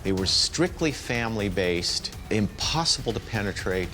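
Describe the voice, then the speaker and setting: Male interviewee, very deep voice, ex-intelligence officer, plain-spoken with hesitations. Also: animated, moderate pace, pushed and bright, soft background music. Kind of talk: interview recollection.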